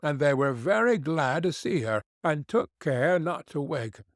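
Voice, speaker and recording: A man reads a fairy tale aloud for an audiobook at an unhurried, measured pace. His voice sits a little high for a man and rises and falls with lively expression. The sound is close and dry. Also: no echo. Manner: measured storytelling. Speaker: audiobook narrator. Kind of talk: scripted fairy-tale narration.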